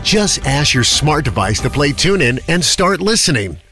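A man giving a smooth promotional radio commercial. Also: on the high side, sing-song, a little slow, pushed and bright, faint music behind. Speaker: ad announcer.

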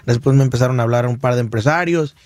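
A man's voice: mid-range voice, fast, a little mellow, dry recording. A man with a Michoacán Mexican accent, a singer telling his story in a casual radio interview, rambling with many fillers and restarts. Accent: Michoacán Mexican Spanish. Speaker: singer guest.

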